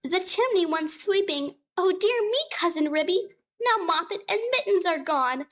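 A woman's voice: animated, moderate pace, a bit bright. A woman putting on a wailing, fretful mother cat. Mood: distressed. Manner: wailing, fussy, high and distressed.

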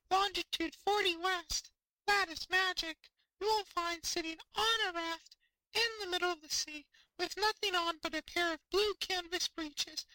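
A man voicing a small clever fish in a storybook reading, in a very high, squeaky put-on voice. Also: bright, forceful tone, dry recording, exaggerated voice, poor audio.

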